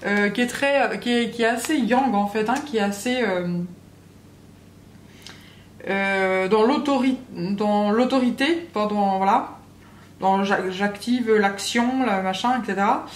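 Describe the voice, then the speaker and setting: A woman's voice: medium pitch, unhurried. A woman giving a channeled tarot reading to the viewer in a casual, hesitant way, with many fillers and restarts. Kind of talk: casual spoken guidance to the viewer. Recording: echoey room with faint background hum.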